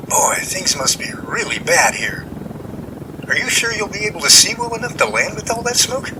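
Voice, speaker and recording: A man's voice: high voice, sing-song, moderate pace, noisy background. A man playing an impatient, wisecracking, folksy passenger in an amateur radio drama, complaining with sarcasm. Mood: worried.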